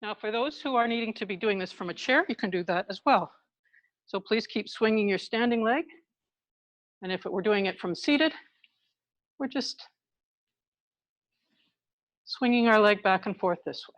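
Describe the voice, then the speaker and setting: A woman leading an exercise class through a face mask, talking calmly step by step as she demonstrates each move. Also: medium pitch, normal speed, pauses often, no room sound. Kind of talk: live exercise instruction, demonstrating while explaining. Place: indoors in a hospital building.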